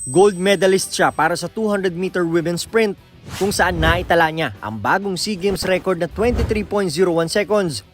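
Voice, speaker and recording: A Filipino man narrates like a documentary reporter, reading from a script. His voice sits a little high for a man, and music plays behind him. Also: moderate pace. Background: music bed.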